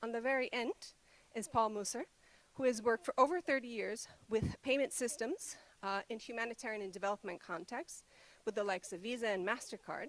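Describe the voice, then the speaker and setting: A woman with an American accent speaks in an ordinary speaking voice, fairly high in pitch. Her pitch varies in an ordinary way and her pace is fairly quick. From US, California. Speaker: panel moderator. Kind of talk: panel moderation.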